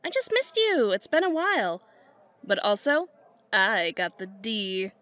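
A woman's voice: mid-range voice, unhurried, no room sound. A woman voicing a sassy, pushy best friend in a comic dub, teasing as she talks. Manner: animated, teasing. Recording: music bed under the voice.

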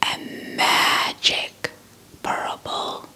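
A young woman, a Xhosa speaker, whispers a folktale as an ASMR storyteller, deliberately repeating words for effect, close to a handheld mic. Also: bright, forceful tone. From South Africa. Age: young adult. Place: small indoor setup before a cloth backdrop. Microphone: handheld mic with fluffy windscreen, held close.

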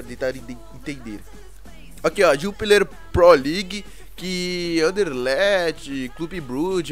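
A young Brazilian man with a cold, his voice congested and hoarse, chatting casually through gaming news and constantly checking in with viewers. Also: a little high. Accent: Brazilian Portuguese. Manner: chatty, keeps asking the viewers "né, cara?". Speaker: gaming YouTuber.

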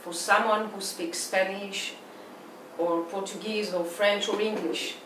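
An Israeli artist in her forties, whose first language is Hebrew, answers interview questions thoughtfully with an Israeli accent, often restarting her phrases. Her mid-range, slightly bright voice has fairly even intonation and a measured pace. She sits in a plain-walled indoor room, and the distant mic catches echo and faint hiss.

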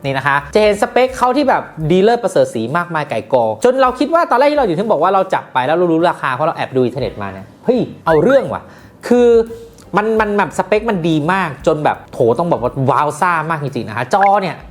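A woman's voice: on the low side, sing-song, fast talker. A woman hosting a casual phone review, playful and jokey, chatting directly to viewers. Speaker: tech reviewer host.

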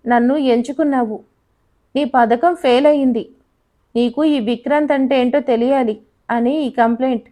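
A woman's voice: high voice, warm tone, lightly acted. A woman voicing an arrogant, contemptuous young rich man in an audio story, speaking curtly and scornfully. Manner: curt, scornful.

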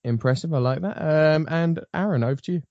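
A man's voice: a little high, quick pace, a little mellow, no echo, lo-fi sound. A man hosting a casual motorsport panel chat, rambling with frequent ums and restarts. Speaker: podcast host.

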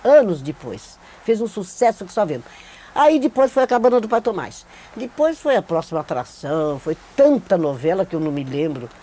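A woman's voice: lowish voice, very animated, normal speed, mellow. An older Brazilian actress recalling her career in a seated studio interview, telling it animatedly with emphatic repetition, recorded on a lapel mic. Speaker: veteran actress giving a testimony. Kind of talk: recorded oral-history interview. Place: indoor studio against a plain backdrop. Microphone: clip-on lapel mic.

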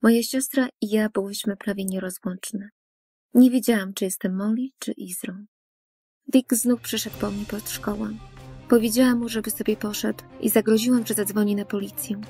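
A woman reading a first-person story as a scripted voice-over, earnest and hushing at tense moments. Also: medium pitch, steady tone, normal speed, husky, no room sound, faint music behind. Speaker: narrator.

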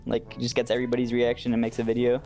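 A man's voice: mid-range voice, completely flat delivery, quick pace, dark tone, soft background music. Laid-back young guy on voice chat. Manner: laid-back, effusive, says bro and dude. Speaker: random teammate. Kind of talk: casual gaming chat.

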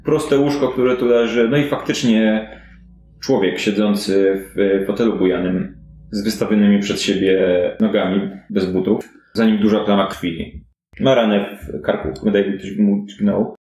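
Low-voiced male game master, roomy sound. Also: steady tone, moderate pace, a little mellow, a little hiss or hum. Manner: conversational, descriptive. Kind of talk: improvised tabletop game narration. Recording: roomy echo, faint music. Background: music.

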